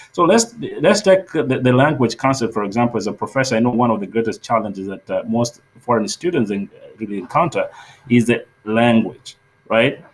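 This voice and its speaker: Fairly quick speech in a Kenyan accent with lively intonation. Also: man, medium pitch for a man. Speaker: talk show host. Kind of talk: interview.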